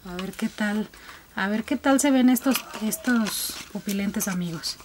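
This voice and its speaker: A woman's voice: medium pitch, a little slow, a little mellow, slight background noise. A young woman chatting casually to her viewers while reviewing colored contact lenses, with frequent fillers.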